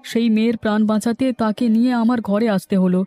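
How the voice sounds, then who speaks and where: A man's voice: high-pitched, steady tone, a little fast, warm tone, natural voice. A man playing a humble, earnest village fisherman in a cartoon story, speaking deferentially. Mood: earnest, sorrowful. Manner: deferential, explanatory. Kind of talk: animated cartoon story acting. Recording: music bed under the voice.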